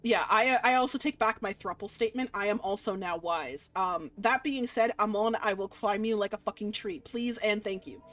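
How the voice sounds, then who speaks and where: A woman's voice: medium pitch, moderate pace, hardly any pauses, fairly bright tone. A woman streaming a visual novel, reading narration aloud and adding playful, reactive asides for her chat. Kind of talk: game playthrough with read-aloud narration and chat commentary.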